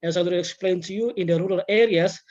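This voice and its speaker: A man from Timor-Leste whose first language is Tetun, a webinar panelist answering questions haltingly with many restarts. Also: high voice, fairly even intonation, darkish tone, highs cut off.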